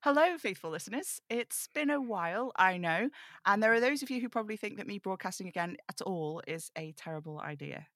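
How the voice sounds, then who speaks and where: A woman playing an apologetic host of an eerie radio show in an audio drama read-through, conversational, self-deprecating and measured. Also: medium pitch, lively intonation, fairly bright tone, no room sound, clean studio sound. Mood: solemn, welcoming. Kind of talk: audio drama table read, scripted monologue.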